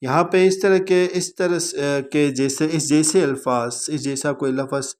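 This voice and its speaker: A male teacher calmly explaining word meanings in a vocabulary lesson, pausing often with "uh". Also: fairly high pitch. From Pakistan. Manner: measured, deliberate delivery with frequent "uh" pauses.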